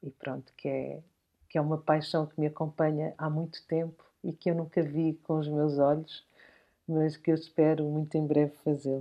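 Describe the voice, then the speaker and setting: This woman's pitch is very deep and low. She keeps a moderate pace and a flat, monotone intonation. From Portugal, raised there from age two (born in Angola). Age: 40s. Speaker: actress and theatre director. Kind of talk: interview. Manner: halting, many fillers and repetitions; thoughtful, measured.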